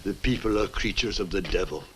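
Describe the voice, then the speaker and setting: An actor playing a weary, blind old clergyman, husky, grave and formal, in a 1960s horror film. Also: sits low, a little fast, fairly bright tone, a little hiss or hum. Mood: grave, foreboding.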